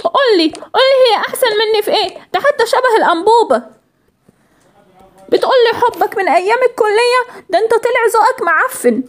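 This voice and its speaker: A woman with an Egyptian Arabic accent voicing a fierce, betrayed wife and mother in a doll cartoon, scolding her husband with indignant accusations. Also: very high-pitched. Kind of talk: storytelling doll cartoon voiceover.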